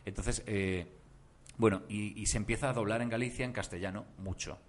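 A man with a very deep, low voice speaks as a podcast guest. He tells his stories in an animated way and wanders into asides, with a faint hiss in the background. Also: normal speed. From Germany. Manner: animated storytelling, many asides. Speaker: voice actor guest. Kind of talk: casual podcast interview.

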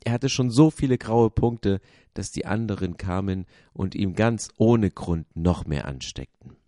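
A man with a low, mellow voice reads a children's story aloud a little slowly, telling it expressively the way a pastor would to listeners. The recording is close and dry, with no room sound.

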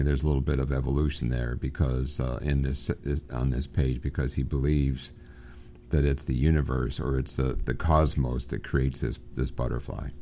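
Very deep-voiced man lecturing slowly. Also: mellow, slight background noise. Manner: unhurried, with many fillers and restarts. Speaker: literature teacher. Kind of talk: recorded lecture program.

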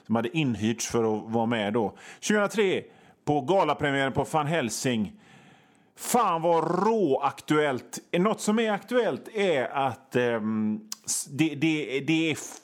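A man hosting a radio show, telling a rambling absurd comic story in a deadpan way, with mild swearing. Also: mid-range voice, big-room sound. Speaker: radio host.

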